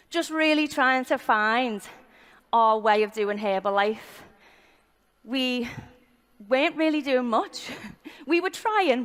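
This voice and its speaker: A woman with a high voice speaks as a guest at a business event, sharing her own story casually and informally, with plenty of ums. Her voice rings out with the long reverb of a large hall, as if she is heard from a stage mic. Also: fairly bright tone. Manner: chatty and informal, frequent ums. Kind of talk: personal story told on stage.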